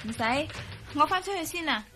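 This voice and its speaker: A woman's voice: extremely high pitch, animated, fairly quick, music in the background. A woman playing a cheerful young receptionist at a secret agency in a Cantonese radio play, light and matter-of-fact. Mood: breezy.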